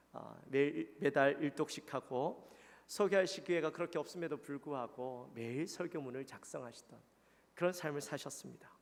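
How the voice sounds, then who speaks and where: Preaching in a church sanctuary, a male pastor with a Gyeongsang Korean accent and a gravelly mid-range voice delivers an earnest, conversational sermon. He poses questions to the congregation, and the hall adds a long reverb.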